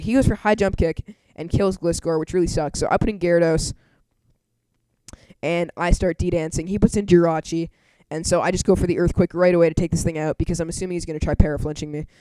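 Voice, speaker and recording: A man giving casual voice-over commentary on his online game battles, chatty and quick to laugh at his own frustration. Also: fairly high pitch, steady tone, dark tone, clear, resonant tone, dry recording. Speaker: channel host.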